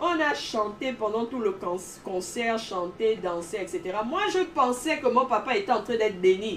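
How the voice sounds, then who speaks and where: A woman with a fairly high pitch speaks in an animated tone at a moderate pace, her lively intonation carried through audible room echo and noticeable background noise. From Gabon. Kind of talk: sermon-style commentary.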